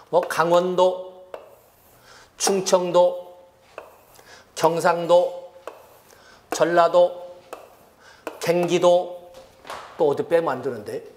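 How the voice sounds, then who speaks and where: A middle-aged male lecturer with a high, lively voice that leaps up and down. He teaches an exam-prep class and repeats key terms as he writes them out on the board.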